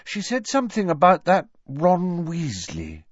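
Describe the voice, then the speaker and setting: A man's voice: high-pitched, huge pitch swings, unhurried, no echo, pitched above the performer's own voice, full character voice. A dreamy, blunt teenage girl, put on by a man with a floaty, lilting voice that swoops up and down. She speaks airily and says odd things plainly. The sound is dull and dry. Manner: airy, sing-song, blunt.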